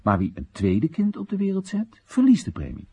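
A man's voice: fairly high pitch, wildly swooping pitch, moderate pace, vocal fry, dark tone, husky, full character voice. An actor in a radio play monologue playing an earnest, dutiful and wistful young man who explains things emphatically. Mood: emphatic, stern.

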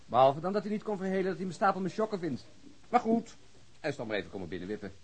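A man's voice: sits high, big pitch swings, rapid-fire, slightly rough, exaggerated voice. An actor playing a wry, irreverent policeman in colloquial, naturalistic radio drama dialogue.

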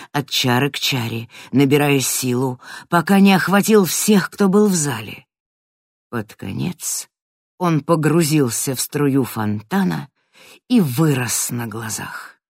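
An audiobook narrator reading a fantasy story in a dramatic way, swinging from hushed to loud. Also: mid-range voice, vocal fry, no room sound, clean studio sound.

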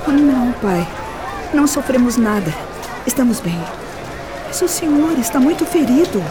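An actress playing an anxious, tender young Brazilian daughter in distress, in a radio soap opera. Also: female voice, high voice, animated, moderate pace, crowd noise, poor audio. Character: distressed pregnant young daughter caring for her father.

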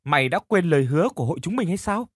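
A man's voice: a little high, lively intonation, very fast, husky, no room sound, clean studio sound, pitched above the performer's own voice. A man voicing a grieving teenage girl who speaks to a lost friend in a tearful, pleading way.

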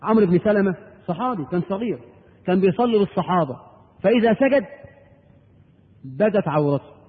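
Egyptian preacher, high voice, echoey hall. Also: male voice, lively intonation, brisk, breathy edge. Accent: Egyptian Arabic. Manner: rhetorical questions, repeats key phrases. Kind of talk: Islamic lecture with audience questions. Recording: echoey hall over a tinny narrow line.

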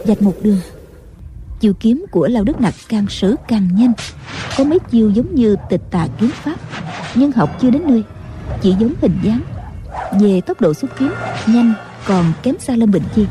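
A woman narrating a martial-arts novel as an audiobook in a steady storytelling voice. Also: fairly high pitch. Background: faint music.

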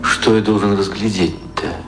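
Actor as wary deep-voiced initiate, echoing. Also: male voice, little pitch movement, moderate pace, natural voice. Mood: puzzled. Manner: short, puzzled questions. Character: wary, bewildered male initiate questioning his mentor. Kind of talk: radio drama acting. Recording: echoing sound under loud music.

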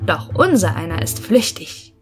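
A woman's voice: fairly low pitch, big pitch swings, normal speed, a little mellow, faint music behind, voice pushed down. A woman voicing a cheeky, boastful little male tailor in a fairy-tale audiobook, sounding sure of himself. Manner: boastful, self-assured.

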